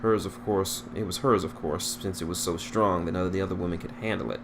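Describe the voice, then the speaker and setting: A man's voice: deep voice, fairly even intonation, a little fast, noisy background. A man reading a story aloud as narrator, now and then stumbling and rereading a phrase. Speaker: fan fiction reader.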